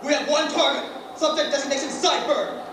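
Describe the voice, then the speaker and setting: An over-keen robot trooper barks out clipped military jargon. The voice is extremely high-pitched, in a live dramatic reading recorded in a cavernous, echoing hall. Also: male voice, steady tone, fairly quick. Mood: eager. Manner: barking, clipped military drill delivery. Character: gung-ho, obedient military robot combiner soldier. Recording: echoey hall, distant, clearly noisy.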